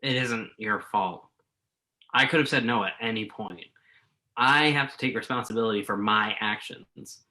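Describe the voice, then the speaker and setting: A man's voice: on the low side, normal speed, pushed and bright, poor audio. A man acting the part of an earnest, wordy, self-doubting journalist in a staged play reading. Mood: earnest, apologetic. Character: remorseful male entertainment journalist, self-doubting, argumentative, earnest.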